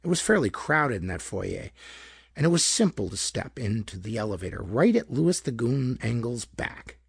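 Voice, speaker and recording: A man narrates pulp detective fiction in a rough-edged voice. His pitch moves expressively as he tells the story with dramatic flair. The sound is dry, with hardly any room around it. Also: big pitch swings, normal speed, no echo. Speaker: audiobook narrator.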